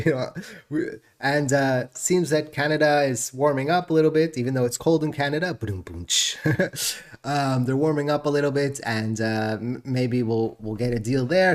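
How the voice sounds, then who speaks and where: A man hosting a casual crypto market video, chatty and rambling with jokes, sounding stuffed up. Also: fairly high pitch. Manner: chatty, rambling, jokey with frequent laughs.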